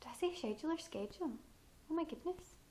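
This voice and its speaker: With a West Central Scottish accent, this voice moves through very wide pitch swings. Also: woman. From Scotland, near Glasgow. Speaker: beauty vlogger. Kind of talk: casual vlog chat; reading word list aloud. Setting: indoors at home by a window.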